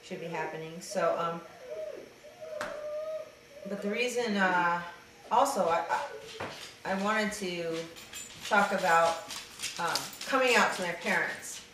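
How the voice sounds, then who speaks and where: A middle-aged trans man with a slightly raspy voice, talking hesitantly to his video diary with many fillers, then reading a letter aloud. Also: high-pitched, slow pace, pauses often. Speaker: vlogger. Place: dim room indoors, seated in an armchair. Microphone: camera mic at a distance. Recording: echoey room from far off, faint hiss.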